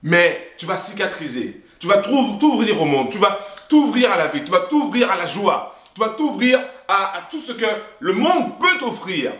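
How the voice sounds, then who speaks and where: A man's voice: high-pitched, very animated, normal speed, a bit bright, roomy sound. A man giving a motivational talk straight to camera, emphatic and repetitive, often restarting his phrases. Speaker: self-help vlogger.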